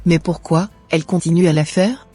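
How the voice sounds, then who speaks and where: A man's voice: a little high, fairly even intonation, normal speed, slightly rough. A man voicing a young Christian woman who is considering cosmetic surgery, speaking in an earnest, plain-spoken way in a cartoon. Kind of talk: amateur cartoon voice acting. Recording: soft music underneath.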